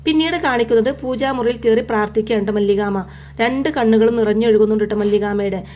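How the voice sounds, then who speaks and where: Woman recapping a tv serial, fairly high voice, chatty and friendly tags, faint hum behind. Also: quick pace. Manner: chatty, keeps adding a friendly tag word, acts out the quoted lines a little louder. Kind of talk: casual retelling of a TV serial episode.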